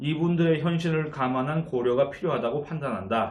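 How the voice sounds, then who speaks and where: The delivery keeps a moderate pace. It is a plain, everyday voice. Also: man. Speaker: magazine journalist. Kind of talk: political commentary to camera.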